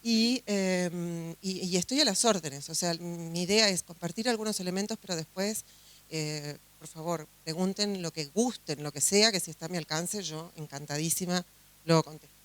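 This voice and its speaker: A woman's voice: lowish voice, normal speed. A woman from Uruguay with a Uruguayan Spanish accent, a judge giving a chatty conference talk full of fillers and restarts. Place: conference hall.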